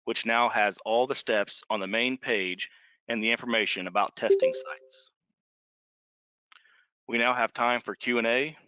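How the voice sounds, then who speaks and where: An American man reading a formal scripted public briefing on a conference call, measured and carefully enunciating numbers item by item. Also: mid-range voice, bright, forceful tone, dry recording.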